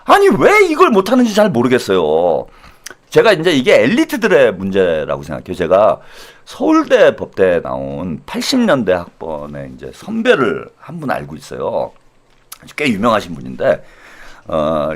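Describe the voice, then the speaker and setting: A man hosting his own channel, telling a self-mocking satirical monologue, dropping to low asides and rising to loud outbursts. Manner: animated, self-mocking, jumps between low asides and loud mock-quotes. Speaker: channel host.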